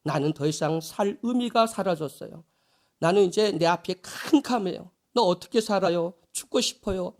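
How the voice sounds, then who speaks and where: A heartbroken middle-aged wife pleads through tears, voiced by a male preacher telling a story. The voice sits high, with only a light change from the preacher's own delivery. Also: moderate pace, darkish tone, lightly acted. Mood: pleading. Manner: pleading, tearful complaint. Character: distraught middle-aged wife crying to her pastor.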